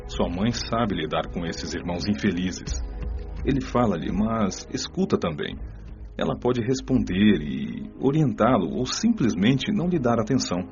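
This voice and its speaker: A man playing a calm, wise spirit mentor in a radio drama, speaking in a composed, instructive way. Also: on the low side, measured pace. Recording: dull lo-fi audio with clear music.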